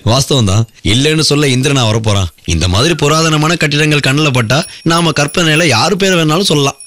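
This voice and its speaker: A man's voice: fairly high pitch, a little fast, a bit bright, dry recording, lightly acted. An actor playing a sceptical modern young man in a radio drama, questioning and wry.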